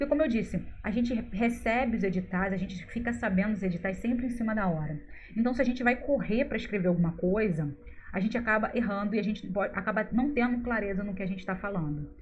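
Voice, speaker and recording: In a room with audible echo, a woman talks at a very fast pace in a medium pitch, with ordinary pitch variation. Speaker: grant-writing consultant. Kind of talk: live stream tutorial. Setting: live stream. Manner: casual.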